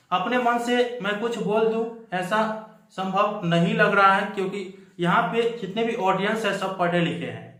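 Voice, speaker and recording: A man's voice: high-pitched, fairly bright tone. A man giving an emphatic explanatory update to viewers, repeating his points, as host of a student news channel. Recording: echoey room.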